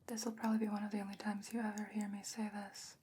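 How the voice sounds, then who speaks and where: A woman playing a gentle, solemn sorceress in a whispered fantasy ASMR roleplay, breathy, hushed and measured. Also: medium pitch, monotone. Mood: quietly caring. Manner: slow, measured, hushed delivery. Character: gentle, solemn sorceress sending a pirate friend off.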